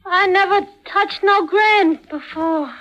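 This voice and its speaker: An actress playing a fed-up, sarcastic, scheming wife of a small-time hood in 1940s radio drama, with slangy working-class speech. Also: female voice, very high voice, slow, pushed and bright, highs cut off, exaggerated voice. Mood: awed, wheedling. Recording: 1940s radio recording with music.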